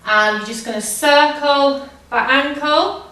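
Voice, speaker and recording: High-voiced woman drama teacher, very echoey room. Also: slow pace, bright, forceful tone. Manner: encouraging drama-teacher delivery with simple, repeated instructions. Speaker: drama teacher leading a warm-up. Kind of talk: instructional, guiding a physical warm-up step by step. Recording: echoey room, distant microphone.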